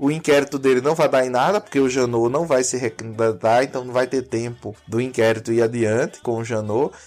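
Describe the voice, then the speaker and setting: A man with a northeastern Brazilian accent talks at a medium pitch and a fairly quick pace. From Paraíba interior, Brazil. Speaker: podcast guest. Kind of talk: casual debate on politics.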